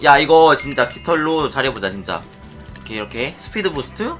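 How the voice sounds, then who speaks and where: A man giving excitable play-by-play commentary on his Minecraft minigames, often chanting and shouting as he plays. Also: medium pitch, brisk, soft background music. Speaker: gaming YouTuber.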